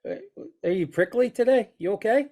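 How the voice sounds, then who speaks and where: A man's voice: sits high, fairly quick, warm tone. Man, has a cold, podcast co-host, teasing, dry humor, casual. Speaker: co-host, trainer.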